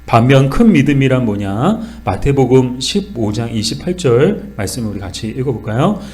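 Middle-aged guy teaching bible study at church, asks and answers himself, low hum behind. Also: sing-song, normal speed, a little mellow. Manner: explains with questions and answers, acts out quoted lines.

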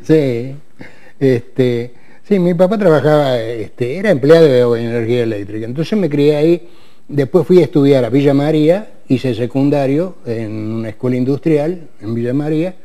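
With a lapel mic in a TV studio, an octogenarian retired military man from Córdoba chats in a casual interview, his Argentine Spanish halting and peppered with fillers and restarts. The voice is mid-range and mellow, moving at a moderate pace.

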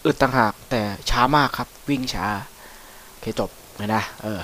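A man giving casual, chatty commentary over a video game, swearing freely and breaking into excited whoops. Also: medium pitch, normal speed. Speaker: gameplay commentator. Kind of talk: casual let's-play commentary.

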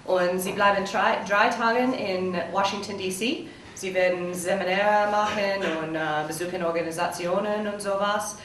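A woman's voice: mid-range voice, steady tone, normal speed, a bit bright, a little hiss or hum. A woman, an embassy cultural attaché, speaking simple German with many fillers. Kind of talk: press conference remarks. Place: large hall. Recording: echoey hall from far off.

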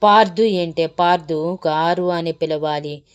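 A woman's voice: lowish voice, a little slow, a little mellow, clear, resonant tone, muffled recording, natural voice. A woman narrator voicing an enraged, arrogant young husband who hurls scornful accusations. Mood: furious.

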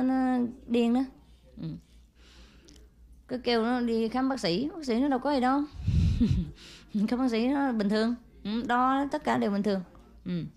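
Giving an informal talk to her followers, a female spiritual teacher tells a story in a chatty way, peppering it with "ừ" and "à" and asking "hiểu chưa?" to check they follow. Her voice sits on the high side with a darkish tone, and she turns brisk and scolding when she addresses her attendants.

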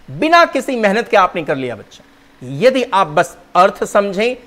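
A man's voice: high-pitched, fairly bright tone. A male teacher explaining English vocabulary and spelling in Hindi, calling his students "children" and spelling words out letter by letter.

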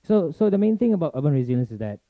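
A young man from Malaysia, giving a chatty, informal forum talk in fast bursts. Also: fairly high pitch, very animated, dry recording. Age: young adult. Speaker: forum speaker. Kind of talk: casual presentation to an audience. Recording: tinny phone-like sound, dry.

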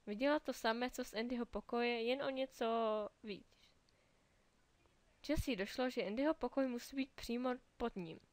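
A woman reads a children's storybook aloud, clear and lively, and gives the characters small voices of their own. Her voice sits a little high, and the recording is dry with no room echo.

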